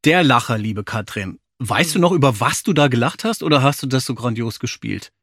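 A man's voice: mid-range voice, animated, brisk, a bit bright, no room sound. Guy hosting a podcast, playful, wordy, mid voice, close dry studio sound. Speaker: podcast host. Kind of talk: casual podcast discussion.

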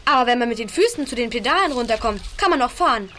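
Cheeky headstrong teen girl in a radio play, high voice, noisy background. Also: animated, quick pace, bright, forceful tone. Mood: cheeky, confident. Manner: cheeky, self-assured. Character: bold, headstrong young teenage girl, defiant and self-assured. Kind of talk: German audio drama acting. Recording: drama excerpt with clear background noise.

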